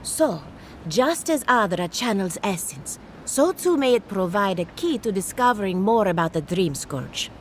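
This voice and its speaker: Animated female fantasy scholar. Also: medium pitch, unhurried, a little hiss or hum. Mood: intrigued, explanatory. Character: learned, inquisitive female scholar of souls and anatomy. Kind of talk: scripted fantasy video game acting.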